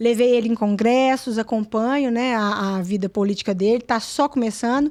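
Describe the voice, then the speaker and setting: A woman with an unremarkable speaking voice talks at a fairly high pitch, with fairly even intonation and very even loudness. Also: moderate pace. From Minas Gerais, Brazil (Belo Horizonte / Pitangui). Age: 40s. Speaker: lawyer and politician. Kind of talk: interview.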